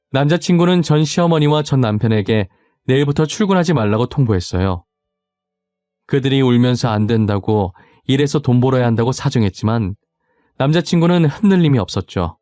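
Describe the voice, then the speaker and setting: A man reading a first-person story aloud in calm, even scripted narration. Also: mid-range voice, no echo, clean studio sound.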